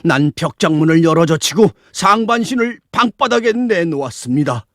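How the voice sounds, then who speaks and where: Brief: male audiobook narrator, fairly high voice, theatrical first-person storytelling, dry booth sound. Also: animated, moderate pace, no room sound. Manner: theatrical, swinging between hushed low asides and lifted exclamations. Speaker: audiobook reader. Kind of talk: dramatic audiobook reading of a classic short story.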